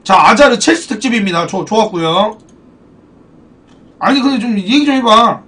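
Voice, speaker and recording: Animated high-pitched streamer man. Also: moderate pace, far from the mic. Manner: animated, swearing, bantering with chat. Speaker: game streamer. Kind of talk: casual live-stream chat.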